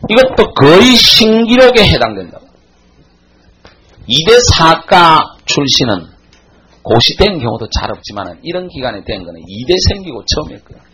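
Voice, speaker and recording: A man in his forties giving a classroom lecture, telling a blunt, animated story to his students. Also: fairly high pitch, moderate pace, low-quality recording. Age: 40s.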